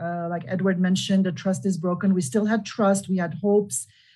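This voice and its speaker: A woman speaks in a somewhat breathy voice. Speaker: mental health professional; guest. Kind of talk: panel discussion. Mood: serious, somber. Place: home room. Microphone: earbuds.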